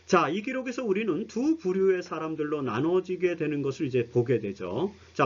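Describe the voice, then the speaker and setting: A man with a high-pitched voice teaches a broadcast Bible study lecture, preaching earnestly and explaining as he speaks straight to his listeners. The sound is lo-fi.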